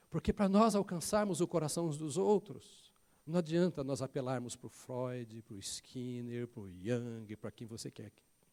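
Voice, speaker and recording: Speaking fairly slowly with hardly any pauses, a man uses a medium pitch that swings very widely. The recording is very clean and silent behind him, with a dry, close sound and no echo. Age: 60s. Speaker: pastor. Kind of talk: sermon. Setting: church.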